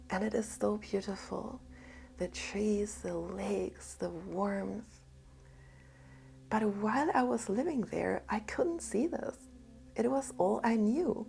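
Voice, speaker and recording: A woman giving a gentle spiritual talk in a soft, half-whispered, calm voice. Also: medium pitch, creaky, slight background noise. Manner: calm and unhurried. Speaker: spiritual teacher.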